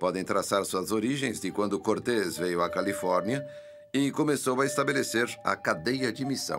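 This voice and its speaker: Music plays in the background as a man speaks at a medium pitch. His pace is fairly slow and his intonation lively. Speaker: dubbing voice actor. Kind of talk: documentary interview answer, dubbed.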